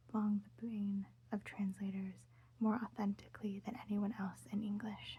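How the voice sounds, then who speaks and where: Soft-spoken, the speaker keeps to a moderate pace. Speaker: ASMR creator. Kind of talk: reading aloud from a book.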